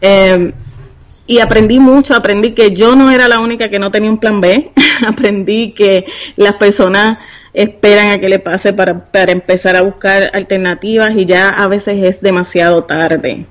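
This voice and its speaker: A woman in her forties from Puerto Rico with a Puerto Rican accent, a university professor and business consultant interviewed as a podcast guest, explaining things in a measured way. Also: medium pitch, steady tone. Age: 40s.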